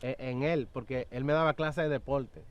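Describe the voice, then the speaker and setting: A young man giving an earnest, halting personal testimony in an interview, acting out quotes as he tells it. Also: medium pitch, steady tone, smooth, muffled recording. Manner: earnest, halting, with many fillers and acted-out quotes.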